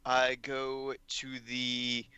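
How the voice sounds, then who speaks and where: A man plays in a tabletop game, his voice bright and clear at a middle pitch. He talks through the group's plans step by step in a practical way. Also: monotone, extremely slow, no room sound. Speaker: player. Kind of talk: casual tabletop play.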